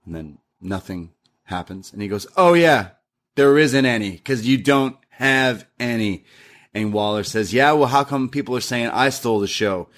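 A young man casually recapping a wrestling show, retelling lines in a lively, animated way. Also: medium pitch, normal speed. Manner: lively recap with acted-out quotes.

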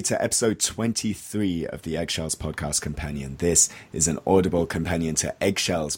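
A man hosting a podcast, husky from a recent cold, friendly and a little hesitant with fillers. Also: sits low. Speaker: podcast host. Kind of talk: casual podcast interview.

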